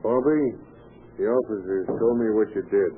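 A man's voice: fairly low pitch, normal speed, close to an everyday voice. An actor playing a rueful, earnest convicted burglar and father in a 1930s radio crime drama, slangy and emphatic. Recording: tinny, noisy 1930s radio recording.

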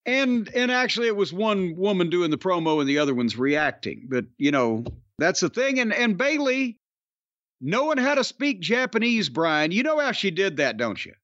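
High-voiced, sarcastic older man. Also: sing-song, normal speed, a bit bright, no echo. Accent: Southern American. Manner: profane, rambling, sarcastic. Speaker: podcast host. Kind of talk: casual chat and ad read. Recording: dry, slightly dull audio.

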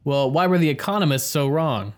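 A man's voice: fairly high pitch, animated, fairly quick. A man co-hosting a business podcast, reading sponsor spots and putting questions to the host. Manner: prompting, reads promos. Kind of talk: scripted sponsor read and prompting questions.

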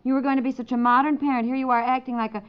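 An actress playing a breezy, sensible American wife and mother who gently teases, in a 1950s radio comedy. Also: sits high, little pitch movement, very fast, clean tone, natural voice. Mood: exasperated, teasing. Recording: dull, lo-fi 1950s radio recording.

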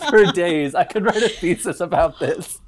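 Low-pitched woman, animated giggly banter. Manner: giggly, sweary, mock-indignant, halting with repeated phrases. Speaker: podcast speaker discussing a film. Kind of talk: casual comedic banter.

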